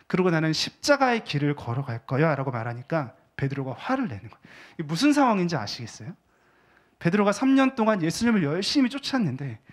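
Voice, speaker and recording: A male pastor preaching in a church, with a fairly high voice that rises and falls a lot. He keeps it conversational and often puts questions to the congregation. For emphasis he sinks into a near-whisper. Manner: drops to a hushed voice for emphasis. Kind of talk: sermon. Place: church sanctuary.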